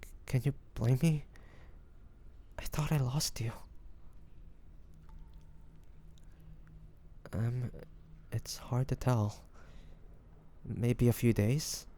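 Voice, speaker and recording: A man's voice: medium pitch, slow, long pauses, warm tone, a little hiss or hum. A man playing a devoted, anxious young man caring for a wounded loved one, tender and hesitant, in a romantic audio roleplay. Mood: relieved, loving. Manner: tender, hesitant, breathy sighs, addressing the listener. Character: devoted, anxious young man tending his wounded dragon-shifter beloved.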